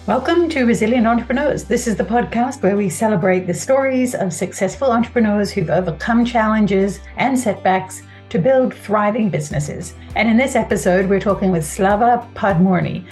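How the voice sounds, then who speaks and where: A woman's voice: medium pitch, normal speed, hardly any pauses, a little mellow. Woman hosting a podcast over faint music. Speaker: podcast host.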